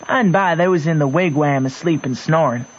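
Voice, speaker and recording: A man's voice: a little high, a little fast, lightly acted. An actor playing a wry, plain-spoken country boy who narrates his adventures in folksy dialect for a radio drama. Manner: folksy ungrammatical drawl, matter-of-fact. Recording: muffled old radio recording.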